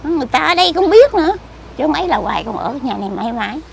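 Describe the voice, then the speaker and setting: A woman's voice: high voice, big pitch swings, racing, gravelly, a little hiss or hum. An older woman, frail, chatting in a rambling, repetitive way as she is interviewed outdoors. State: frail, weak. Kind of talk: casual chat. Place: outdoors near a cemetery.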